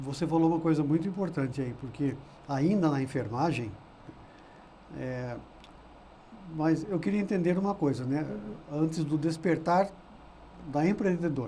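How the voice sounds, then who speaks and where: Audible room echo surrounds a man speaking at a moderate pace with long, frequent pauses. His voice is fairly high, with a dark, mellow tone and ordinary pitch variation. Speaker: interviewer. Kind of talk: interview.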